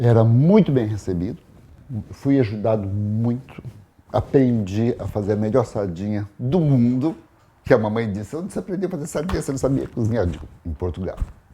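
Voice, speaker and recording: Somewhat breathy and dark, mellow in tone, a man of medium pitch speaks at a moderate pace with lively intonation. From Brazil, São Paulo. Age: 60s. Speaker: restaurant owner and caterer. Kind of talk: oral history interview. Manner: conversational, self-interrupting.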